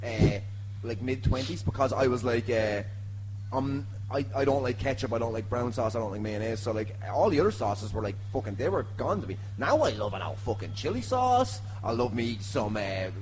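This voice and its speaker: A man's voice: medium pitch, animated, moderate pace, noisy background. An Irish man hosting a casual comedy podcast with friends, rambling and swearing as he goes. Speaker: podcast host.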